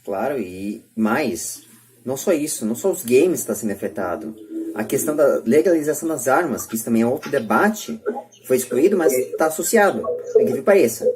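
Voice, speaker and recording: A woman's voice: a bass voice, animated, fairly quick, a little mellow. A Brazilian woman hosting a casual podcast debate, emphatic and often repeating or rephrasing her points. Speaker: podcast host.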